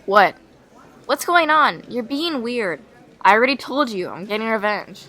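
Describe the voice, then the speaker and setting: A woman voicing an earnest, dramatic schoolgirl character in an animated roleplay. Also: a little high, unhurried, exaggerated voice. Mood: determined.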